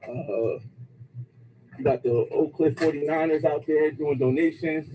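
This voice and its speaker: A man's voice: a little high, a little slow, background noise. A man vlogging on location outdoors, narrating upbeat into a handheld camera mic as he greets his viewers. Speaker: travel vlogger. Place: outdoors in public places. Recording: vlog clip with clear street ambience.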